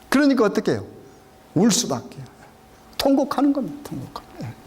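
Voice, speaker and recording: A middle-aged man with a high voice preaches a sermon to his congregation. He keeps asking questions, answers them himself, and repeats the key phrases slowly for weight. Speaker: pastor.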